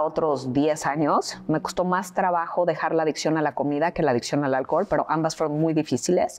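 A woman with a fairly low pitch, ordinary pitch variation and a moderate pace. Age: 30s. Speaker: bodybuilder and entrepreneur; podcast guest. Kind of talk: interview. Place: studio. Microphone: lapel.

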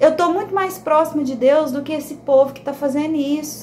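Light background noise is present. A woman speaks with ordinary pitch variation. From rural Brazil. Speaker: YouTuber, former church worker. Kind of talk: casual vlog monologue. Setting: at home on sofa. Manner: animated. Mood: defiant, rebutting critics. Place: kitchen. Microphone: phone near.

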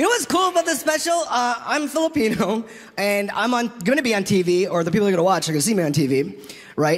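Very wide pitch swings from a man talking at a very fast pace. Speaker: comedian. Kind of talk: stand-up. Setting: stage with audience. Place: stage. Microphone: handheld.

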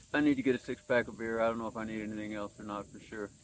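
With light background noise, a man speaks at a very fast pace in a dry sound with no echo. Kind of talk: casual vlog chat. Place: open country. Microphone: phone near.

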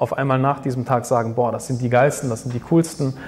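Somewhat breathy, the man's voice keeps a fairly even intonation. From Germany, Duisburg (Ruhr area). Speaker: author and educator. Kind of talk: book talk and audience Q&A. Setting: stage with audience. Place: stage. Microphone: handheld.

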